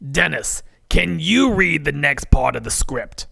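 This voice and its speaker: A man voicing a bossy, officious woman who trains pizza store staff, with a gravelly voice, in a comedic story. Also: mid-range voice, lively intonation, measured pace, bright, forceful tone, dry recording, clean studio sound, heavily acted. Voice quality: gravelly, creaky. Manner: officious, corporate-script delivery.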